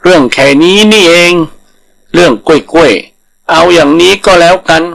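A small, clever rabbit in an animal folktale, voiced by a man. The voice is high, inquisitive and confident, eager to help. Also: normal speed, gravelly, a bit bright, full character voice.

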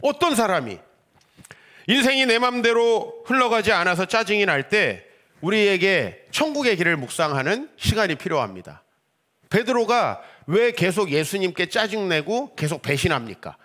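Lively high-voiced male pastor preaching. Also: moderate pace. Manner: animated, rhetorical questions, acts out quoted voices. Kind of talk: sermon.

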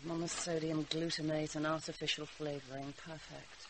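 A woman's voice: low voice, level tone, moderate pace, noisy background. An actress playing a wry, weary middle-aged mother in a radio drama. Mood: weary, sarcastic.

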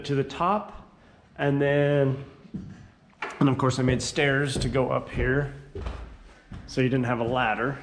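A man giving a casual home tour, rambling and correcting himself, often clearing his throat. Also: mid-range voice, noisy background. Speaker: homeowner giving a house tour. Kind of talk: casual handheld tour narration.

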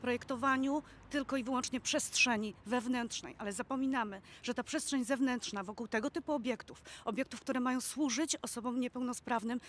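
A woman and parent speaking at a press conference, making an earnest appeal. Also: on the high side. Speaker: parent and advocate. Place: outdoors in a city.

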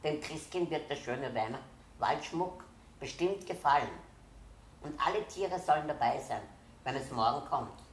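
A woman's voice: deep voice, expressive, measured pace, pitched above the performer's own voice. Woman doing an eager little fox cub. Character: excited little male fox cub, hopeful. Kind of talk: storybook reading. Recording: roomy echo.

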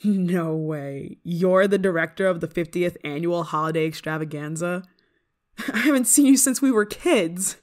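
A young diva played by a woman in an ASMR roleplay, with a slightly low voice for a woman. She brags and brushes people off in a prickly tsundere manner. Underneath she is soft, and she slips easily into flustered stammering. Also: moderate pace, natural voice. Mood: amused, teasing. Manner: tsundere: bragging and dismissive, flustered stammering when touched. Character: haughty young female pop star, prickly but secretly soft. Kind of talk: ASMR roleplay acting, one-sided dialogue.

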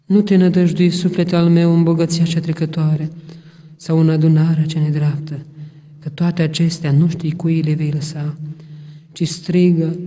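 Male prayer reader, slow and intoning, a dark, mellow tone and a ringing church reverb. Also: a little high. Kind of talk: solemn liturgical prayer reading. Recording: long hall reverb.

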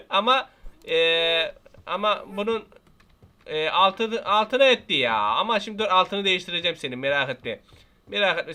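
A young Turkish-accented man gives excitable let's-play commentary in a high, bright voice. He jokes, scolds and playfully threatens what he sees on screen, talking fast and loosely as he plays. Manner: excitable, jokey, talks to the game baby and threatens it playfully. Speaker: gaming YouTuber.

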